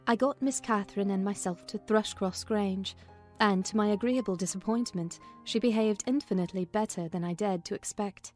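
A woman narrates a classic novel as a housekeeper, in a measured storytelling style. Her voice is mellow and of medium pitch. Soft music plays behind her. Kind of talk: dramatized audiobook narration, in character as a housekeeper. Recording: music under the voice.

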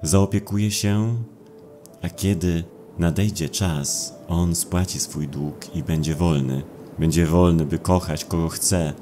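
A man narrating a dark audio drama in a brooding, dramatic way with deliberate pauses. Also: low-pitched, steady tone, music in the background. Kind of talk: dramatic scripted horror narration.

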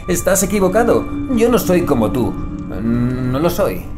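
A man's voice: mid-range voice, sing-song, takes it slowly, music in the background. An actor playing a stubborn, irritable man in an audio drama, defiant and exasperated. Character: stubborn, irritable man refusing a dangerous quest.

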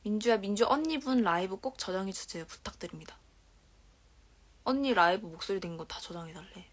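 Brisk and expressive, her medium-pitched voice belongs to a young woman in her twenties hosting an idol livestream. She chats casually and reads comments aloud from a dim bedroom, speaking with a Korean regional accent into a phone held at arm's length. She is soft-spoken and often breaks into whispers and giggles.

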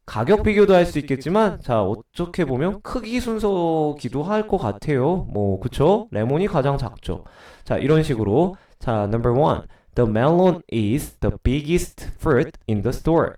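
A man's voice: medium pitch, a little mellow, far from the mic. A middle-aged man with a cold and a stuffy nose, teaching English grammar to middle schoolers in a recorded lecture, chatty and answering his own questions.

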